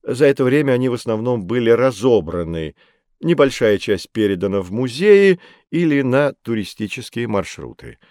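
A man's voice: mid-range voice, no echo, studio quality, natural voice. A middle-aged man playing an expert who patiently explains history to children in a scripted educational audiobook. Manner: calm, patient, measured explaining. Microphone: studio microphone.

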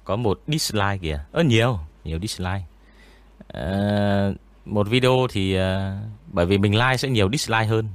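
A man with a very low, eerie voice talks casually in an interview. His delivery is relaxed and rambling, with frequent pauses. The recording is dry and close, with almost no room sound. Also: clear, resonant tone, no room sound. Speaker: ghost story narrator and studio owner.

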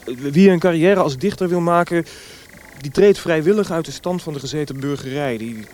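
An actor playing a frank, admiring young army officer in a radio play, chatty and teasing with some hesitation. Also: male voice, a little high, normal speed, darkish tone, lightly acted. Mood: frank, doubtful. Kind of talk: Dutch radio play acting.

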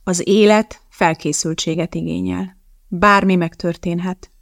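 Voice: mid-range voice, steady tone, creaky, no echo, studio quality, lightly acted. Határozott, tárgyilagos tudós anya, ahogy egy felolvasó hozza, érdes, kissé recsegő hangon, száraz, közeli felvételen egy hangoskönyvből. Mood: firm.

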